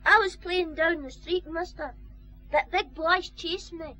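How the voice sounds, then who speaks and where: Cheeky young Glasgow lad, chirpy, very high. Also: female voice, unhurried, pushed and bright, full character voice. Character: cheeky little Glasgow street boy. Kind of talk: radio drama acting.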